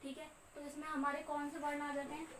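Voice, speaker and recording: High-voiced woman teaching grammar, echoey. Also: little pitch movement, fairly bright tone, distant mic. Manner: slow and repetitive, often checking in with "ठीक है". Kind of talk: classroom lecture. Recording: echoey room, voice off-mic with faint hum.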